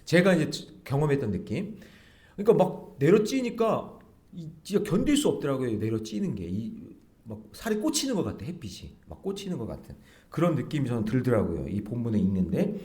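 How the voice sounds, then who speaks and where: A middle-aged male pastor giving an early-morning sermon in a lively, conversational way, acting out bits of dialogue as he preaches in a church. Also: medium pitch, a little fast. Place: church sanctuary.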